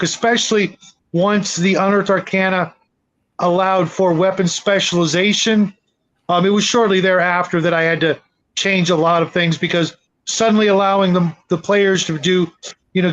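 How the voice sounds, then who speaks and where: Man, high-pitched voice, muffled lo-fi sound, reflective, wordy, halting, discussion host. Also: a bit bright. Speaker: host leading a panel discussion. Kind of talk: casual discussion of tabletop role-playing games.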